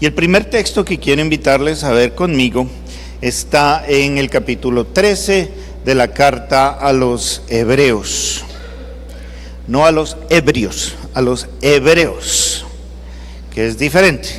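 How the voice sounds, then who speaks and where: A man speaks at a very slow pace. Noticeable background noise runs under his voice. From Peru. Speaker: itinerant pastor and preacher. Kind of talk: sermon. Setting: church.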